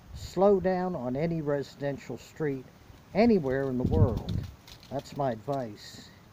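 Through noticeable background noise, a man with a dark, mellow tone speaks with lively intonation. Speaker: vlogger. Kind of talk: casual vlog chat. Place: street. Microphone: phone near.

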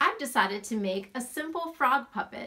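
A woman's raised, projected voice, bright and sharp in tone, with very wide pitch swings against a quiet background. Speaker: presenter. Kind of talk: children's craft tutorial. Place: home room.

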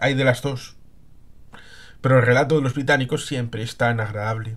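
With fairly even intonation, the voice comes out somewhat breathy. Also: man. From Spain. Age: 40s. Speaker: commentator on politics. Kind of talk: commentary monologue. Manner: halting. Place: home room. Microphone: webcam.

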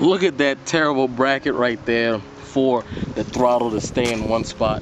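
Over noticeable background noise, a man talks at a moderate pace, the sound dry with no echo. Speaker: engine tinkerer vlogger. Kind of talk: casual vlog chat. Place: garden. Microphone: phone near.

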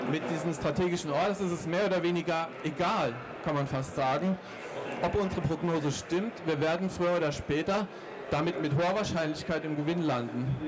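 A man speaks fairly quickly in a high pitch with ordinary pitch variation and very even loudness. Noticeable background noise runs behind him. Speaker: trader; presenter. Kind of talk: presentation at trading fair. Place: hall. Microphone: too quiet; handheld.

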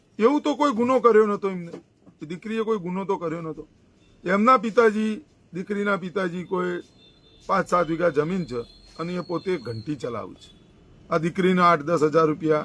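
A man speaks with a high pitch and lively intonation. His loudness swings widely from moment to moment. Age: 40s. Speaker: political commentator. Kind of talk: live monologue.

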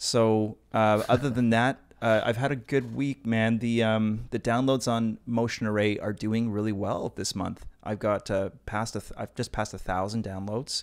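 The speaker keeps a moderate pace with hardly any pauses and a monotone, flat intonation. The background is quiet. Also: man, medium pitch for a man. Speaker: podcast co-host, musician; podcast co-host. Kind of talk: casual chat. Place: studio. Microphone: studio mic.

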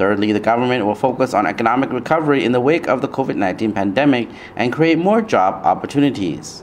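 A medium-pitched man rushes along at a very fast pace with hardly any pauses, lively intonation and very even loudness. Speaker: news presenter. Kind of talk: formal news reading. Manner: formal, steady, measured newsreader delivery.

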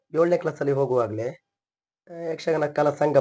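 Fairly high pitch in a man's voice, dark and mellow in tone. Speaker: Yakshagana artist. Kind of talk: interview.

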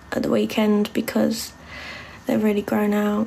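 A woman speaks with an Essex accent. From southeast England. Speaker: livestreamer. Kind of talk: casual chat. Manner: animated. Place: home room. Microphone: phone near.

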